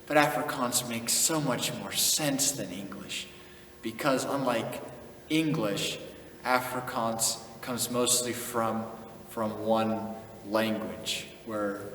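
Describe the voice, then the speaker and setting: Slow-talking man in an echoey room. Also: lowish voice, fairly bright tone, recorded from a distance. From United States. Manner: laid-back, chuckling, drops in Afrikaans phrases. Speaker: channel host. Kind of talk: casual vlog talk. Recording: echoey room, voice from off-mic, faint noise.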